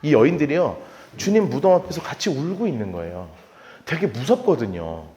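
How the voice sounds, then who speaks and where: Animated high-voiced pastor in an echoey hall. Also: male voice, brisk. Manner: animated, lively storytelling with acted-out quotes and laughter. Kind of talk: sermon. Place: church sanctuary. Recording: echoey church hall with long reverb.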